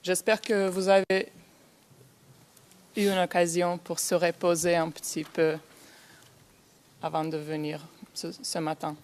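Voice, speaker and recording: A woman's voice: lowish voice, level tone, a little slow, pauses often, a little mellow, slight background noise. A woman prosecution lawyer questioning formally in a courtroom, in a hesitant French that is not her first language. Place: courtroom, speaking into a microphone.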